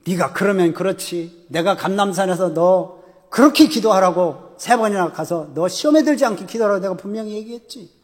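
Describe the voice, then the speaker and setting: A man's voice: high-pitched, a little fast, breathy edge, voice pushed up. A man voicing a stern male teacher who scolds his disciple with reproachful questions, in a reverberant church hall. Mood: scolding.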